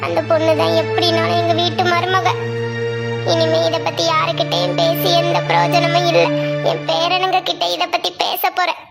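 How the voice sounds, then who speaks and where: A woman voicing a firm, decisive grandmother who speaks in a steady, reassuring way. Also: very high-pitched, normal speed, vocal fry. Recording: soft music underneath.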